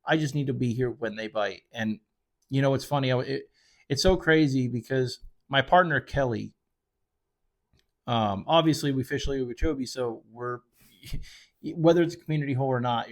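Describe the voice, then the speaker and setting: A man's voice: medium pitch, moderate pace. Man, casual solo commentary, rambling, lots of fillers, speaking into a desk mic. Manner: rambling, conversational, with frequent fillers and self-corrections. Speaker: fishing charter guide and show host. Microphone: desk microphone.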